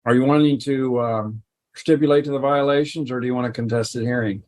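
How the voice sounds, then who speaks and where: Guy judge running a hearing, courtroom recording, medium pitch, short procedural questions. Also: steady tone, fairly quick, darkish tone. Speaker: judge presiding over a hearing.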